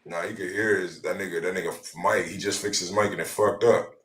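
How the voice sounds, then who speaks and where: A man's voice: low voice, fairly even intonation, fairly quick, fairly bright tone. A man, hosting an online show in casual, slang-heavy chat. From Los Angeles area. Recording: roomy echo, far from mic.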